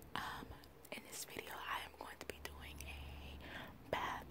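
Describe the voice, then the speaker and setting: The speaker is a woman who whispers. Her pace is fairly slow. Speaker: ASMR haul vlogger. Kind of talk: ASMR haul video, casual talk to camera. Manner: whispered, soft. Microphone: phone near.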